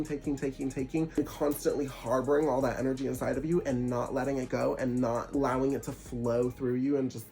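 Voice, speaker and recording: A congested young man giving animated, preachy spiritual advice in a casual vlog, with sarcastic asides. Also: fairly high pitch. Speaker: vlogger.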